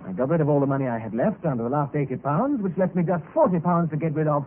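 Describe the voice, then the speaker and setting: An actor playing a reckless, ruined young gentleman in an old radio drama, brisk and wry. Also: fairly high pitch, lively intonation, close to an everyday voice. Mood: world-weary. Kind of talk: 1940s radio acting. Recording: tinny old radio broadcast with faint hiss.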